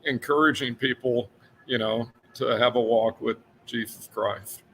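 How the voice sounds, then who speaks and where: A man's voice: mid-range voice, fairly even intonation, measured pace, fairly bright tone, a little hiss or hum, poor audio. An older man from Florida, a guest on a talk show, speaking earnestly and unhurriedly with frequent fillers. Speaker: guest author. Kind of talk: casual interview chat.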